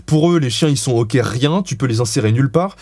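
A man's voice: medium pitch, expressive, a little fast, darkish tone, husky, no room sound. Frank male dog trainer, dry sound. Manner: frank and blunt, casual swearing. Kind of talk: explanatory interview talk.

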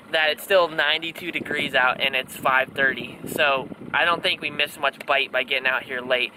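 A young American man chatting casually as a fishing vlogger on a boat. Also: a little high. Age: young adult. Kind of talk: casual vlog chat. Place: outdoors on a small boat on backwater. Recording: outdoor boat noise, water ambience.

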